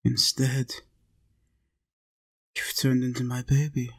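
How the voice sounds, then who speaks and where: Slow, even-toned man as a lonely vampire. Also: mid-range voice, gravelly, breathy edge. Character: lonely, tender centuries-old male vampire in a castle. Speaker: roleplay audio performer. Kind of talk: intimate scripted roleplay audio acting.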